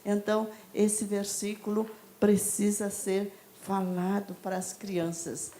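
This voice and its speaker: A woman teaching a children's ministry training session in church, telling stories with lively acted-out voices and leading a group through repeated lines. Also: medium pitch, takes it slowly, slight background noise. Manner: lively, acts out stories, leads group repetition.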